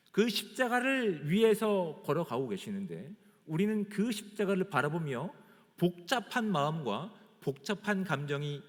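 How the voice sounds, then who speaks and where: A man, a pastor, delivering a sermon at a church service with emphatic delivery and rhetorical questions. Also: fairly high pitch. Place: church sanctuary. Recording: reverberant church hall.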